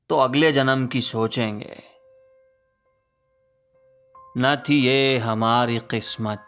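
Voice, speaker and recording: A man's voice: medium pitch, fairly bright tone, clean tone, pitched below the performer's own voice, close to an everyday voice. A man playing a witty, lamenting nineteenth-century poet reading his letter aloud in archaic, courtly, theatrical phrasing. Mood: mournful, resigned. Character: Mirza Ghalib, witty lamenting 19th-century Urdu poet writing a letter.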